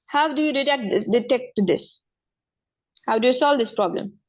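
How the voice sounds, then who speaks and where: Female maths tutor, South Asian accent, higher-pitched, encouraging, interactive, dull lo-fi recording. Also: animated, moderate pace. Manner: encouraging, frequently checking understanding. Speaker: maths teacher.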